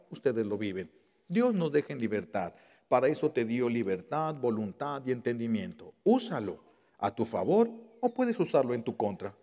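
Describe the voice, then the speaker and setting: A male Catholic priest preaching a sermon, impassioned, repeating key phrases and drawing words out slowly for weight. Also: fairly high pitch, mellow, in a large hall.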